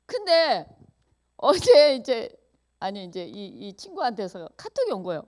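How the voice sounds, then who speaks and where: A middle-aged woman tells stories in a church sermon. Her voice sits high and swoops widely. She laughs often and acts out both sides of each exchange. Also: big pitch swings, a little slow, darkish tone. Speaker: pastor's wife giving a church message. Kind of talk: storytelling sermon. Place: church service.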